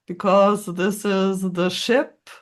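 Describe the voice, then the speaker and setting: A woman's voice: mid-range voice, level tone, slow. A woman from the Czech Republic hosting a casual interview, speaking with frequent "uh"s and agreeing "yeah"s. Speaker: host.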